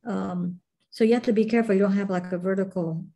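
Middle-aged woman, warm mellow tone, casual instructor thinking aloud as she shapes clay. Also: medium pitch, steady tone, quick pace, poor audio. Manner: thinking aloud, many fillers and trailing phrases. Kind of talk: casual chat while demonstrating.

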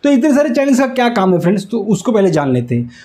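High-pitched man teaching. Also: sing-song, racing, mellow. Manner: didactic, repeatedly checks understanding. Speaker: instructor. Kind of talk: explanatory whiteboard tutorial. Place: small indoor room with whiteboard. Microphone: lapel mic.

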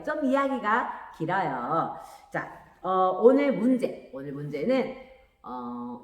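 Woman children's preacher, expressive storyteller, lively pitch, echoey hall sound. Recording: echoey room with long reverb.

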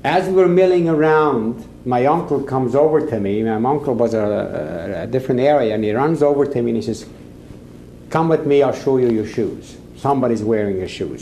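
An older man giving recorded testimony as a survivor. He tells his story with animation and acts out the shouting in his quotes. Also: mid-range voice, a little fast, few pauses, a little hiss or hum. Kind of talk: recorded oral history. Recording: echoey archival interview recording.

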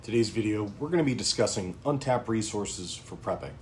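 A man's voice: on the low side, lively intonation, fairly quick, darkish tone, slight background noise. A man in his thirties from Pennsylvania hosting a prepping channel, talking informally to camera from a small home office with frequent ums. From Pennsylvania, United States. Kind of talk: casual talking-head vlog.

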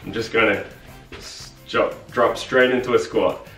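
A man's voice: fairly low pitch, unhurried, faint music behind. A man in his thirties giving a casual, chatty product review in a living room, with lots of fillers. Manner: chatty, relaxed, many fillers. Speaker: vlogger. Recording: echoey room.

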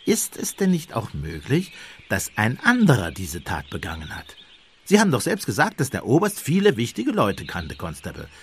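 An actor playing a gentle, doubting village priest turned sleuth in a German radio play, courteous and questioning. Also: male voice, mid-range voice, huge pitch swings, moderate pace, a little hiss or hum. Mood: protesting, earnest.

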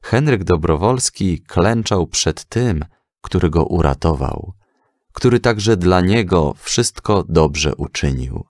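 A man reading a scripted children's story as an expressive audiobook narrator. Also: deep voice, slow, no echo, studio quality.

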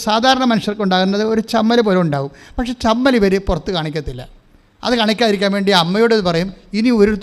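Male preacher, high and smooth, emphatic sermon delivery with call-and-response. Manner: emphatic, has listeners repeat his phrases.

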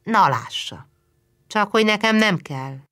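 A woman reading the lines of a shy, sorrowful young housemaid, soft and hesitant. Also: mid-range voice, expressive, pitched above the performer's own voice, lightly acted.

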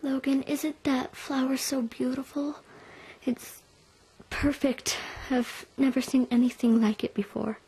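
A woman's voice: sits high, measured pace, breathy edge, exaggerated voice, low-quality recording. A girl doing a gushing gossipy schoolgirl. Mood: admiring. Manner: excited, gushing. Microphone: computer sound recorder.

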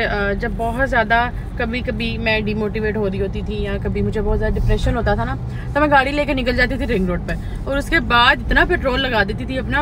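A young woman chatting casually to camera as a vlogger, first from a car, then in a salon. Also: a little high. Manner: chatty, talks straight to camera. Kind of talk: casual vlog chat. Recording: car and street noise behind.

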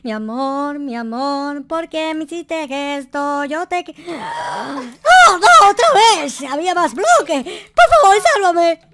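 A man's voice: very high-pitched, big pitch swings, slow, hardly any pauses, very noisy, full character voice. A man with a Latin American accent playing a whiny, clumsy noob boyfriend in a melodramatic, stammering Minecraft roleplay. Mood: whiny, panicked. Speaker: gaming YouTuber.

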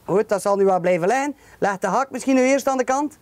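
A middle-aged ostrich farmer with a Flemish accent shows people around his sheds and outdoor pens, speaking quickly in a high, slightly mellow voice. He chats as he explains, dropping frequent "hè" and "voilà" tags.

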